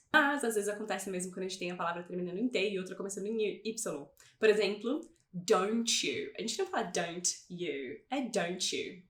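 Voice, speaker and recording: A woman teaching a pronunciation lesson. Her voice sits in a medium pitch, and she slows down to model each word with care. The room around her gives a noticeable echo. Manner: clear, slowed demonstrations of sounds.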